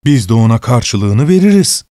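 A man voicing a calm, cheerfully defiant male prisoner in a read-aloud story, with a mocking, unhurried manner. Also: mid-range voice, dry recording, clean studio sound, lightly acted. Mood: teasing. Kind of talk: audiobook character reading.

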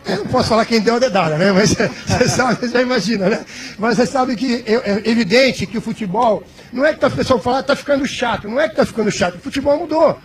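Fast-talking high-voiced man, ex-referee guest. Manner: explains in quick rhetorical questions. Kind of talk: phone-in interview chat.

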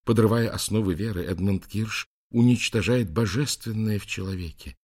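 A man's voice: lowish voice, normal speed, a little mellow, natural voice. A man reading the lines of a stern female priest who lectures on faith and morals. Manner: preachy, solemn.

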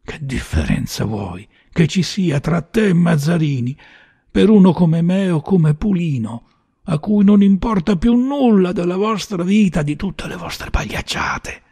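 A man voicing a bitter, desperate young man who speaks with grim scorn that rises into a rant, in a gravelly, husky voice. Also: medium pitch, slow, mellow, exaggerated voice. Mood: scornful rant.

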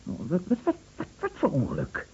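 A man's voice: high-pitched, wildly swooping pitch, a little fast, warm tone, a little hiss or hum. An actor playing an anxious, bookish bedridden man in a Dutch radio play, agitated and stammering, repeating his words. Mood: shocked, disbelieving. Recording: muffled old radio play recording.

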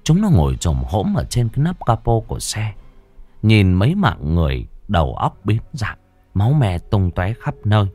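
A man's voice: on the low side, wildly swooping pitch, normal speed, dark tone, soft background music. A man narrating a ghost story in a grim, dramatic way.

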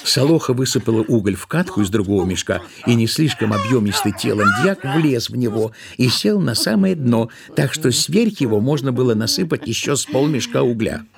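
A man's voice: mid-range voice, animated, brisk, vocal fry, few pauses. A man narrating a literary tale as a scripted storyteller in an audio drama.

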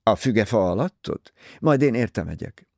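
A man voicing a bitter young woman who answers curtly in a flat voice. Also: on the low side, vocal fry, dry recording, clean studio sound, pitched above the performer's own voice. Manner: flat, curt.

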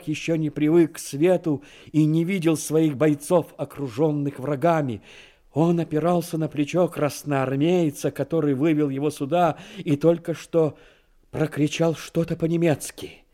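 A man's voice: fairly high pitch, fairly even intonation, unhurried, dark tone. A man narrating a war story as a scripted audio drama, in a dramatic style.

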